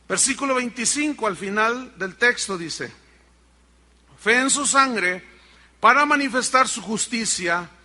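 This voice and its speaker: A man's voice: extremely high pitch, pushed and bright, long reverb tail. A man preaching a sermon as pastor, emphatic and firing rhetorical questions at the congregation.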